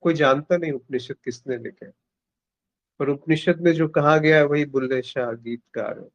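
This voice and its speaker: A man leading a spiritual satsang, speaking in a reflective, contemplative way with long pauses. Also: on the high side, no room sound, dull audio.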